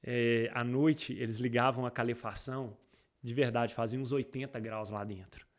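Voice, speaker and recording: A man from Brazil, an entrepreneur with a Brazilian Portuguese accent, talks at medium pitch and normal speed. He's a guest in a casual interview, recounting stories in a lively, rambling way and frequently starting over.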